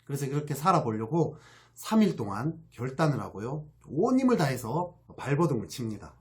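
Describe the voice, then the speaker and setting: A man's voice: medium pitch, very animated, fairly quick, a little mellow. A man preaching a sermon as pastor, acting out quoted inner voices with feeling.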